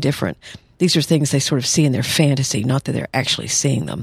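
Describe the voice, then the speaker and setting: Recorded with a dry, close sound and no echo, a woman speaks with a Southern US accent. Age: 60s. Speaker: clinical psychologist, podcast host. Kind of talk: solo podcast talk.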